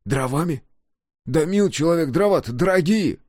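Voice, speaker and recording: A man's voice: on the high side, expressive, moderate pace, a little mellow, dry recording, clean studio sound, pitched above the performer's own voice. A man doing a plaintive, bewildered woodcarver. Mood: plaintive, alarmed. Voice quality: hoarse. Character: naive anxious male woodcarver, plaintive. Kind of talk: audiobook character voice.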